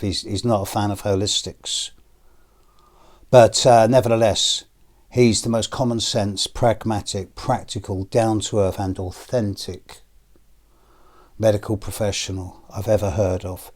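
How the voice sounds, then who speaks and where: Still hoarse and coughing from illness, a middle-aged British man who works as an astrologer addresses viewers in a personal video. He speaks slowly in a deep, fairly low, darkish voice, measured and punctuated by pauses and filler words.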